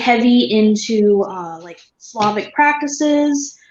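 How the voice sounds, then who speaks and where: Over music in the background, a woman talks with ordinary pitch variation. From California. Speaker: witch, interviewee. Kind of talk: interview.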